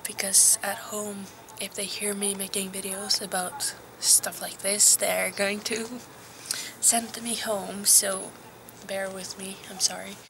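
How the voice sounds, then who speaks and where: A teenage girl from Norway, giving casual advice in a vlog recorded outdoors. She talks softly and hesitantly, sometimes dropping to a whisper. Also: medium pitch, flat delivery, slow, background noise. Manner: soft, hesitant, drops to a whisper at times. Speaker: vlogger.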